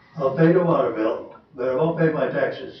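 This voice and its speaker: Amid noticeable background noise and audible room echo, a man speaks at a fairly quick pace with a fairly high pitch. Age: 80s+. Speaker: resident addressing council. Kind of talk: public meeting submission. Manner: animated.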